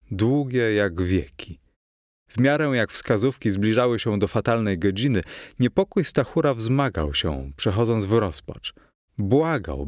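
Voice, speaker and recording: A man narrating a novel in the first person, in a measured, steady storytelling manner. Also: mid-range voice, no room sound, studio quality. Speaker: audiobook narrator.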